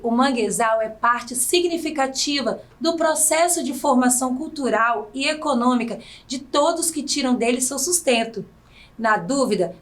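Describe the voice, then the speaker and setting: A woman with a Brazilian accent presents a recorded science lesson in a scripted, teacherly way, putting quiz questions to her students. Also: high voice. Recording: voice a bit distant from the mic.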